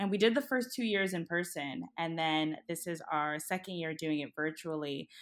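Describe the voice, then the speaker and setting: A woman with a plain, everyday voice talks at a moderate pace with a fairly low pitch, lively intonation and hardly any pauses, on a very clean recording with a silent background. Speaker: podcast co-host. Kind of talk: casual interview chat.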